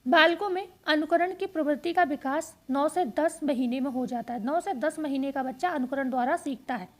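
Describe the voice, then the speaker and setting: A woman with a high, light voice gives an exam-prep lesson. She explains each point step by step and drills the key facts by asking a question and answering it herself. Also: normal speed. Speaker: teacher.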